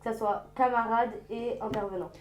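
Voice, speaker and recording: A woman's voice: a little high, fairly even intonation, normal speed, reverberant, rough recording. A woman from France, a guest in a casual interview, talking in a chatty, enthusiastic way. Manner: chatty, enthusiastic, keeps saying "c'est ça". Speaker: guest, stylist and actress.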